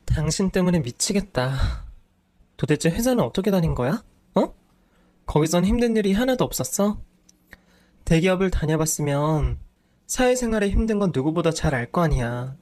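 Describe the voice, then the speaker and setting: A man's voice: on the high side, normal speed, natural voice. A man voicing an exasperated wife who nags her husband sharply, in a storybook reading. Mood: scolding. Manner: scolding, sharp-tongued. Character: exasperated nagging wife, woman in her thirties.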